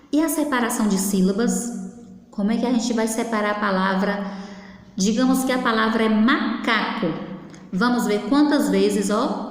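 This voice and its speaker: A woman teaching a class for young children, in a patient sing-song manner that keeps prompting them to look. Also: medium pitch. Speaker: primary school teacher. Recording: echoey, reverberant room.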